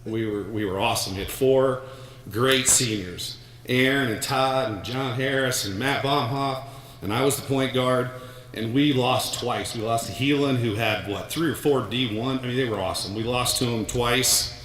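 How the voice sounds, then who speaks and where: A man's voice: medium pitch, moderate pace, fairly bright tone. A middle-aged man giving a hall of fame acceptance speech, telling stories with many restarts and repeated words. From United States. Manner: rambling storyteller with many restarts. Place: large hall. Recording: echoey hall.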